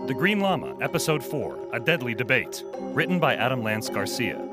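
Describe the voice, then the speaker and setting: Man, credits announcer, mid pitch, scripted delivery, prominent music underneath. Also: sing-song, normal speed. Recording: loud theme music behind.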